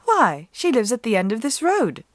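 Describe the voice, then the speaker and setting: A woman's voice: fairly high pitch, huge pitch swings, moderate pace, no echo, studio quality, pitched above the performer's own voice. Woman as a polite young fairy-tale girl. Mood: polite, innocent. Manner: courteous, innocent, plain-spoken.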